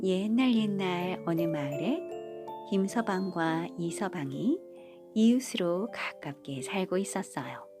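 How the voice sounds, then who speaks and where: A woman reading a bedtime folk tale in a gentle, motherly storytelling manner. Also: lowish voice, lively intonation, measured pace. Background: faint background music.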